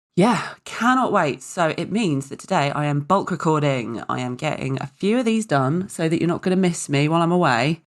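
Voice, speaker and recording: In an English accent, a woman with a very deep, low pitch talks at a moderate pace with lively intonation and hardly any pauses. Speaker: business podcast host. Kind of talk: casual podcast monologue.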